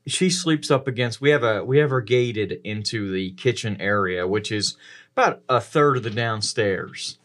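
Man chatting as an animated podcast co-host. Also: lowish voice, normal speed. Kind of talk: casual chat, anecdotes.

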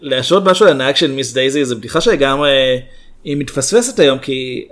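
Measured man reviewing films casually. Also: medium pitch, animated, a bit bright. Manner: measured, hesitant, many fillers. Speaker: podcast co-host. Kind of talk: casual film chat.

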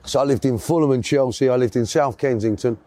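Middle-aged man, South London accent, soft mellow tone, casual storytelling, effusive, affectionate, repetitive emphasis. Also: mid-range voice, a little fast. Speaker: interview guest, author. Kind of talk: casual anecdotal chat.

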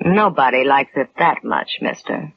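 An actress playing a tough-talking, defensive carnival dancer, slangy and snappy, in an old radio crime drama. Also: female voice, low voice, expressive, slow pace, full character voice. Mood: tough, suspicious. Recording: muffled, hissy vintage radio recording.

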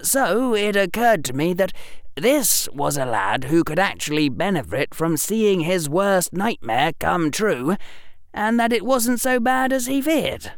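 A reader playing a precocious young boy wizard in an audiobook, his voice pitched well above the reader's own and swinging up and down in lively, expressive arcs. He lectures in a smug, deadpan tone, as if every outrageous act were perfectly reasonable. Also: a little slow, no room sound, studio quality. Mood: explaining. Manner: lecturing, mock-villainous, deadpan. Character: clever theatrical eleven-year-old boy wizard. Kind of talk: audiobook reading.

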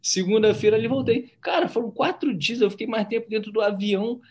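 A man from Brazil hosting a casual interview, talking in an animated, chatty way. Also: high voice, fast talker, slight background noise. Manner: animated, chatty, frequent "né?" and slang.

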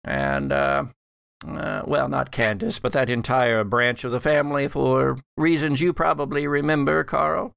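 A man's voice: mid-range voice, unhurried, vocal fry, fairly bright tone, dry recording, studio quality. A man playing a regretful dead ancestor in a gothic tabletop story, speaking in hesitant, broken phrases. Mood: halting, grave.

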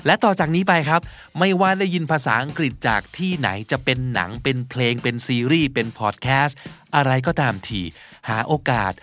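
A man's voice: on the high side, big pitch swings, a little fast, a bit bright, faint music behind. A man with a Thai accent, hosting a pronunciation lesson and spelling English words out letter by letter.

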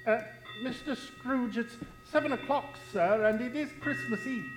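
A man's voice: very high-pitched, normal speed, music in the background. A man playing a timid, deferential clerk in a stage radio play, meek, hesitant and polite. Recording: echoey stage, loud background noise.

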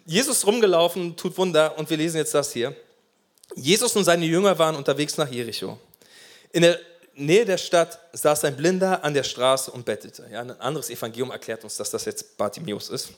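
With a fairly high, expressive voice, a man preaches briskly as pastor, full of passion and emphasis. He alternates loud, urgent stretches with hushed asides.

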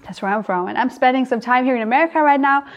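A woman's voice: high-pitched, fast talker, muffled recording. Young Austrian woman, casual talk host, chatty and self-correcting, faint music under her. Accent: Austrian German. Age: young adult. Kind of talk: casual unscripted talk show.

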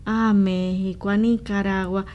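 A woman's voice: mid-range voice, flat delivery, unhurried, a little mellow, muffled recording. A woman from Rico, talking earnestly and explaining things as a missionary guest in an interview. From Puerto Rico. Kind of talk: conversational interview testimony.

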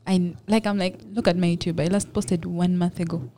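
A woman's voice: lowish voice, fairly even intonation, brisk, warm tone, a little hiss or hum. A young Ugandan woman with a Ugandan accent, speaking modestly and reflectively as a podcast guest. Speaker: guest, makeup entrepreneur. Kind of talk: casual podcast interview.

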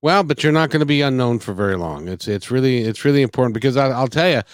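Man, middle-aged, interview host, effusive, rambling, repeats himself, medium pitch, very dry close sound. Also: animated, fast talker, dry recording. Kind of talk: casual music interview.

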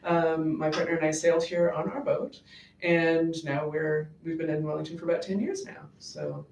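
A man's voice: a little high, moderate pace, darkish tone. A man with a Canadian accent, an author being interviewed in a small office, easygoing, laughing often, with many uhs. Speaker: author and guest. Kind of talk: interview answers. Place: small office before a live audience. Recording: roomy, distant mic, faint noise.

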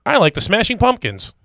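A man's voice: high voice, vocal fry, sharp tone, no echo, pitched above the performer's own voice, exaggerated voice. A man doing a comedic put-on voice of a bland, overly chipper young man, with exaggerated sing-song politeness. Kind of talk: comedic impression in podcast banter.

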